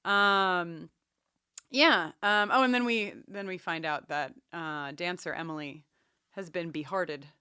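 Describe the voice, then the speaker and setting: A woman co-hosting a podcast, chatting casually about a TV show in a wry, animated way and often interrupting herself. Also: fairly low pitch, slow pace, clear, resonant tone, dry recording, studio quality. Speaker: podcast co-host.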